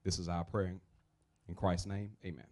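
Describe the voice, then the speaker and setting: A man, a youth reverend, saying a blessing in a measured, solemn manner, phrase by phrase, into a handheld mic. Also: low voice, flat delivery, darkish tone. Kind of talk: public prayer, blessing. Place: outdoors under a large event tent. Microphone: handheld mic through PA speakers.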